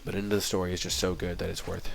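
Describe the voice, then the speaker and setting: A young man with a stuffy, congested voice from a cold, casually commenting on his own game as he plays, thinking aloud in a relaxed, mildly wry way. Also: deep voice, racing, creaky, slight background noise. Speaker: gaming video host. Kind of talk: casual live commentary while playing.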